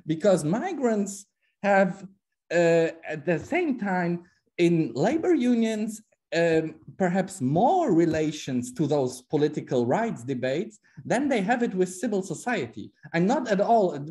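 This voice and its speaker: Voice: mid-range voice, big pitch swings, a little slow, dark tone. A panelist on a video call making an emphatic argument. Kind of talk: online panel discussion. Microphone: laptop video call.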